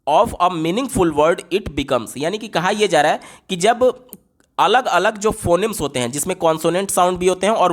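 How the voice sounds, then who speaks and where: A man, a teacher working through exam questions. He reads the English question text slowly and explains it at length, repeating key points. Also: high-pitched. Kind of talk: exam-prep lesson explaining answer options.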